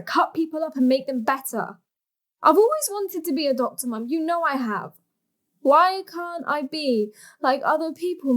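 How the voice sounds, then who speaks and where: A young woman with a high voice in a stage drama. She is a cheeky, yearning daughter who speaks bluntly and pleads with real earnestness. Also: fairly bright tone. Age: young adult.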